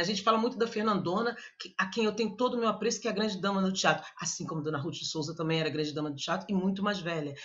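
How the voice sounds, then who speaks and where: A woman talks at a medium pitch. There is noticeable background noise. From Brazil, Rio de Janeiro. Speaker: actress and teacher. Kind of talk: webinar talk. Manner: fast.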